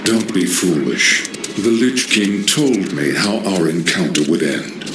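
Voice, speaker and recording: An actor playing a cold, scheming undead lich sorcerer who talks in a measured way, in a game cinematic. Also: male voice, low-pitched, animated, background noise. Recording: echoey, reverberant voice. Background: orchestral music.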